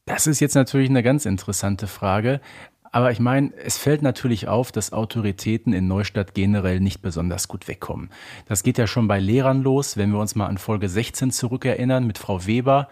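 A man's voice: on the low side, fairly quick, darkish tone. A man co-hosting a podcast, explaining things casually in a knowledgeable, matter-of-fact way. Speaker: podcast co-host.

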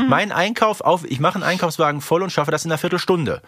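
A man's voice: a little high, fast, sharp tone, dry recording. Man chatting, very dry recording. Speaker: podcast co-host. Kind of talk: casual chat.

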